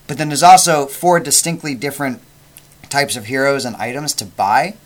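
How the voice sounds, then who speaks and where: A man co-hosting a casual board game chat, joking and teasing his partner. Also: mid-range voice. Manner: joking, quick to tease. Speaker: podcast co-host.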